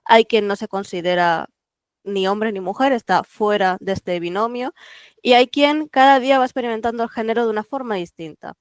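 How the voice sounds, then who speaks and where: A speaker whose first language is Catalan, talking as a translator guest on a podcast in a thoughtful, explanatory way with frequent fillers. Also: female voice, fairly high pitch, steady tone, normal speed, clean tone, no room sound. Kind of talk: relaxed podcast interview.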